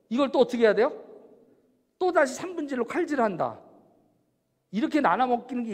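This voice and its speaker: Man, very high voice, lecturing, animated, rhetorical questions, long hall reverb. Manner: animated, poses rhetorical questions, acts out examples. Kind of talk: lecture on personality types.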